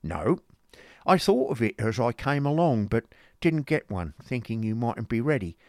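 Man voicing a gruff, abrupt Victorian clerk. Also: mid-range voice, very animated, moderate pace, dry recording, studio quality, pitched above the performer's own voice. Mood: blunt, odd. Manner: abrupt, blunt, muttering. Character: gruff, odd, terse male clerk in a Victorian novel.

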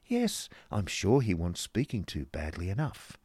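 A man's voice: low-pitched, huge pitch swings, unhurried, dark tone, husky, no room sound, clean studio sound, heavily acted. A man voicing a haughty, businesslike married woman with a genteel, reproving manner in a storybook reading. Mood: pouting.

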